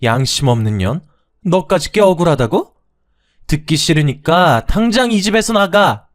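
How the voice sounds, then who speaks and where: A man voicing a harsh, scornful older mother-in-law who yells insults, in a radio story. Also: very animated, normal speed. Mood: scornful yelling. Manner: shrill, yelling insults.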